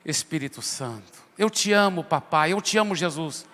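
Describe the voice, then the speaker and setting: Male pastor, high bright voice, conversational sermon, church hall echo. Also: lively intonation, normal speed. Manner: conversational preaching, acts out prayers and dialogues. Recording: long hall reverb.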